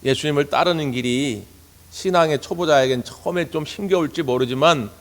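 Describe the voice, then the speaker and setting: A man's voice: a little high, brisk. A man preaching a sermon as pastor, telling stories and earnestly addressing the congregation. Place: church sanctuary. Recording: long church hall reverb.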